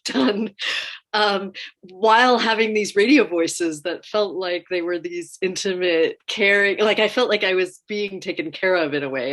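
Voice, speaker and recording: A woman's voice: mid-range voice, fairly bright tone. A woman speaking reflectively as a panelist in an informal discussion, searching for her words as she thinks.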